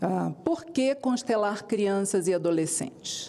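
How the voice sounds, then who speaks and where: Speaking at a very slow pace, a woman with a Brazilian accent uses lively intonation. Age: 60s. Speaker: educational psychologist and family constellation therapist. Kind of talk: formal speech at a special session. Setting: senate session hall. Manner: halting, with filler hesitations.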